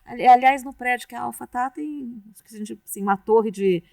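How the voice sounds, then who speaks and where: A middle-aged Brazilian woman, a radio announcer guesting on a podcast, talking in a relaxed, rambling, chatty way with restarts. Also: on the high side, a little fast, creaky, no echo. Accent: Brazilian Portuguese. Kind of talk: casual podcast interview.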